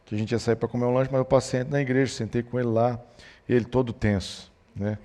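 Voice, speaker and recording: A man's voice: medium pitch, quick pace. A man, a pastor telling a family story in a church talk on parenting. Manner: storytelling, animated when quoting his son.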